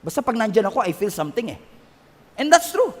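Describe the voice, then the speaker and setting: High-voiced man preaching in a reverberant hall. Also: fast. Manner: Taglish preaching, animated, calls for amens. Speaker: pastor. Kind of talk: sermon.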